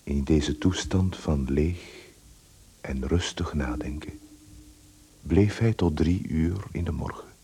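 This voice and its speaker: A man with a husky voice reading calm, detached literary narration for a radio play. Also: extremely low pitch, slow pace, heavily acted. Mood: calm, sombre. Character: calm, detached male storyteller.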